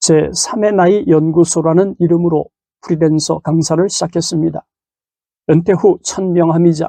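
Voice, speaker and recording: A man's high-pitched voice with a dark, mellow tone, recorded dry and close with no echo. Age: 60s. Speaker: retiree and freelance lecturer, video blogger. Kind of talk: scripted narration.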